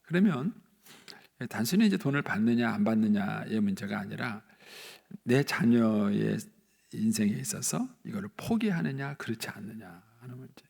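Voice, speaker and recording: Gravelly husky male pastor preaching. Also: lowish voice, moderate pace. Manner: animated storytelling, acting out quoted voices, rising sharply for emphasis. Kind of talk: sermon. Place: church sanctuary.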